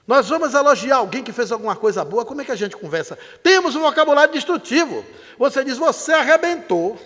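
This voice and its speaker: An older man with a Brazilian accent lectures a live audience, speaking with a notably high pitch. His delivery is animated and dramatic, like a practiced storyteller. His voice carries a long reverb through a large theater hall. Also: fast.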